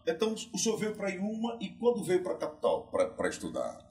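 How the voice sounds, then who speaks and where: A man hosting a podcast, upbeat and quick with short affirmations. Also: high-pitched, huge pitch swings, a little mellow. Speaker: podcast host.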